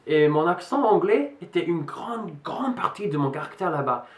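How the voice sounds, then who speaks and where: A man's voice: on the high side, very animated, normal speed. Hesitant English man speaking French, roomy sound. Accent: English speaker in French, slightly American-tinged. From England. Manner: hesitant, many fillers and restarts. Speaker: vlogger. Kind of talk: casual vlog talk to camera. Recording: roomy echo.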